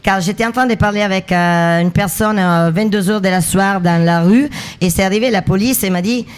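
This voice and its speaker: Italian-accented woman telling funny anecdotes. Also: mid-range voice. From Italy. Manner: animated, joking, halting non-native French. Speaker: stage comedian, interview guest. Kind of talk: casual humorous anecdote-telling.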